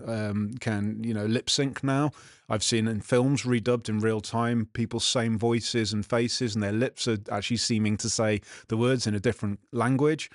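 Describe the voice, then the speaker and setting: A man's voice: lowish voice, no room sound, studio quality. A man with a Black Country accent and a slightly nasal voice, chatting casually and sardonically as a vlog host. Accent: Black Country English. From England, West Midlands. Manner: sardonic, irritated grumbling. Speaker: vlog host, software developer.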